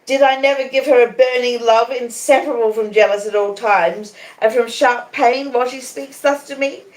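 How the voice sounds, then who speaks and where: Woman acting a bitter, wailing old lady, shrill and echoey. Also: steady tone, natural voice. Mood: wild anguish. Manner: moaning, shrieking, drawn-out repeated pleas. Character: bitter, wounded old lady, wildly melodramatic and possessive. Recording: echoey conservatory.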